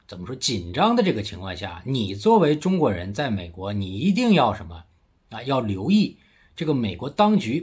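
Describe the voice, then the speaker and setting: A man's voice: medium pitch, breathy edge. A man from China giving a casual political commentary monologue as a vlogger, emphatic and mocking, full of rhetorical tag questions. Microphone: phone.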